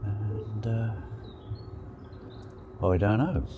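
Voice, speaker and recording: A man with a croaky voice, rambling through a casual fishing diary on a lake bank. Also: on the low side, extremely slow, narrow, tinny audio. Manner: relaxed, rambling, thinking aloud. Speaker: angler vlogger. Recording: outdoor recording with clear background noise.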